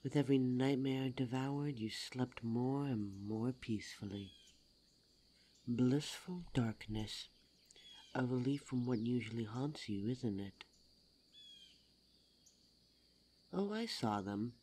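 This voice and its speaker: A performer voicing a suave, teasing demon lover in an intimate ASMR roleplay audio drama, smooth-talking and formal in address. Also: medium pitch, measured pace, warm tone, slight background noise, natural voice. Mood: soothing, intimate.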